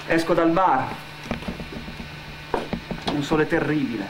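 Over background music, a man with a voice on the high side delivers a slow, emotive scripted monologue, addressing an absent "you" and repeating phrases like a storyteller on stage. The recording has a noisy background.

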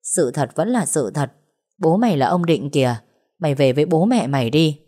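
Gentle quiet young woman, voiced by a woman in an audio story, low voice. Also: animated, normal speed. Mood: calm. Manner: soft, mild speech. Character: calm soft-spoken young woman, gentle and honest.

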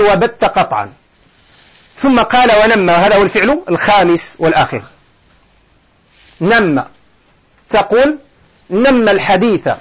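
With a high-pitched voice recorded with the highs cut off, a sheikh teaches a class on Arabic morphology, explaining a grammar poem about verb forms and answering his own questions to the students.

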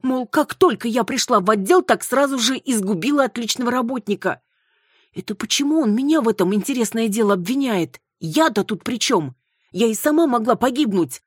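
A woman reading an audiobook, voicing a flustered young woman who quickly turns indignant. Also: fairly low pitch, warm tone, breathy edge, no echo, studio quality, pitched above the performer's own voice. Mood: outraged. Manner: indignant, exclaiming.

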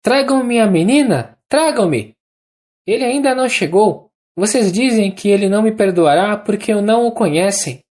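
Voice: mid-range voice, animated, darkish tone, pitched above the performer's own voice, natural voice. A narrator putting on a feverish delirious young mother. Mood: feverish, pleading. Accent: Brazilian Portuguese. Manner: rapid, urgent, raised pleading voice. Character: young woman, feverish and delirious after childbirth.

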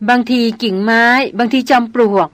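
Woman voicing a calm veteran jungle hunter. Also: a little high, normal speed, no echo, lightly acted. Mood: calm advising. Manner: steady, reassuring advice. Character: seasoned male jungle hunter, calm and wise.

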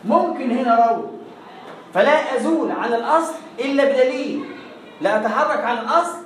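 A Quran recitation teacher with an Egyptian accent, giving a classroom lesson and slowly reciting example words again and again to demonstrate. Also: sits high, a little hiss or hum. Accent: Egyptian Arabic. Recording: echoey room, voice far from the mic.

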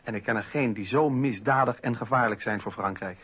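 An actor playing an earnest, articulate young philosopher reading out his letter in a radio play, with a husky voice. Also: mid-range voice, fairly quick, fairly bright tone. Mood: earnest, apologetic. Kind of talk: radio drama letter monologue. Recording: dull lo-fi old radio recording.

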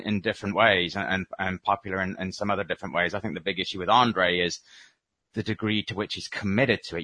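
Male interview guest, low bright voice, thoughtful and hesitant, choosing his words in unscripted answers. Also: no echo. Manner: hesitant, reflective, measured phrasing. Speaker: boxing expert guest.

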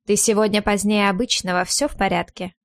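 A woman's voice: medium pitch, steady tone, brisk, close to an everyday voice. A woman reading an audiobook voices a smug male office boss who teases his secretary with a sly, mocking edge.

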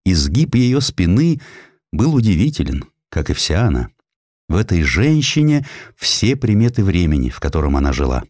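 Deep-voiced, dramatically expressive male narrator. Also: no echo, clean studio sound. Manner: expressive, deliberate, with pointed pauses. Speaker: audiobook narrator. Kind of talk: dramatic scripted literary narration.

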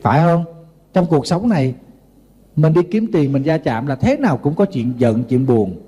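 A man's voice: a little high, normal speed, slightly rough. A middle-aged man with a Southern Vietnamese accent, preaching as a Buddhist monk, telling humorous anecdotes in a sermon. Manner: lively anecdotal storytelling with humor.

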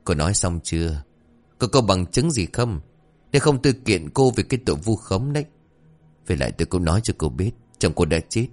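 A man voicing a cold, menacing rich old male moneylender who talks low and sneering. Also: very animated, a little fast, full character voice. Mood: threatening.

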